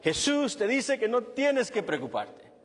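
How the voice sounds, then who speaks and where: A male pastor preaching a sermon with a husky voice, animated and then dropping low and quiet to stress a point. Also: unhurried. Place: church hall with long reverb. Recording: reverberant church hall.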